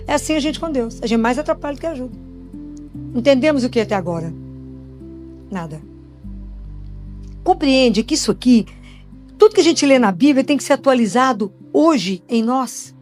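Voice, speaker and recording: Brazilian woman, high voice, chatty sermon full of rhetorical questions, faint music under. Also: animated, normal speed, long pauses, a little mellow. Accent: Brazilian Portuguese. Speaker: Catholic speaker and pediatrician. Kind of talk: preaching sermon. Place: church gathering after communion.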